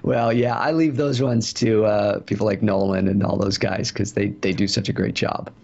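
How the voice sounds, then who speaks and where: A man with a low, gravelly voice answers interview questions in a relaxed, rambling way, full of fillers and restarts. His voice comes through a dull, lo-fi line. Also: normal speed. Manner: chatty storyteller, many fillers and restarts. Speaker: voice actor guest.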